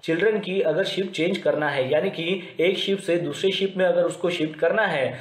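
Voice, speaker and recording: An Indian man delivers an explanatory lecture in a slightly high voice. He works through his material methodically, point by point. The recording is clearly roomy and echoing. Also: brisk. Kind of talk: explanatory lecture mixing Hindi and English terms.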